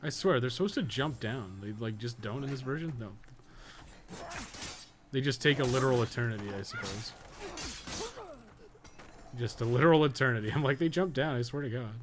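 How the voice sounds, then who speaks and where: A man's voice: medium pitch, moderate pace, pauses often. Sarcastic male game streamer, noisy background. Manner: sweary, sarcastic, muttering to himself. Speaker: game streamer, podcast co-host. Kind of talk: casual live gameplay commentary.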